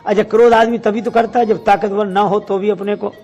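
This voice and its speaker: A man's voice: high voice, little pitch movement, fairly quick, a little mellow, muffled recording, soft background music. A man preaching a devotional Hindu discourse as a storyteller, posing rhetorical questions, acting out bits of dialogue and reciting verses. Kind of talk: devotional discourse retelling Ramayana episodes.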